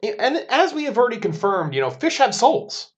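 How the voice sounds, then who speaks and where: A man's voice: very high voice, very animated, lo-fi sound. A man co-hosting a comedic podcast, joking irreverently and reading scripture passages aloud. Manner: irreverent, jokey, reads verses slowly. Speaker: podcast co-host.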